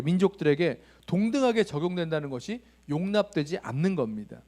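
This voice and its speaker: A man's voice: on the high side, darkish tone. A man preaching a sermon as pastor, speaking straight to the congregation and asking rhetorical questions. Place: church sanctuary.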